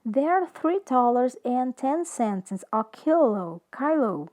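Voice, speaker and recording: Slow, clear woman teaching English. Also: high-pitched, big pitch swings, darkish tone. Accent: Brazilian Portuguese. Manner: slow and clear, switching between English and Portuguese. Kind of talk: recorded online English lesson.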